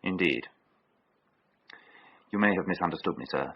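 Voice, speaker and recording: An actor playing a calculating young gentleman suitor who speaks in a stiffly polite, formal way. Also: low-pitched, lively intonation, normal speed. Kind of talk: radio drama acting. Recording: dull old radio recording with faint hiss.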